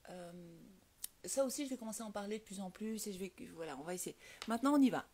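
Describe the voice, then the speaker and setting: Speaking fast at a medium pitch, a French-accented mother hosts a casual live stream about the law of attraction. She answers viewer comments, laughs a lot, and fills her lively talk with small hesitations.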